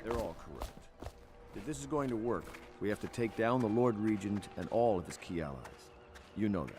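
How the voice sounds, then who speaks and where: An actor playing a grave, commanding admiral who speaks formally and deliberately in a video game. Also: male voice, on the low side, animated, heavy background noise, close to an everyday voice. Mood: grave, determined. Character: grave, commanding male admiral plotting against a regent. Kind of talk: scripted video game dialogue.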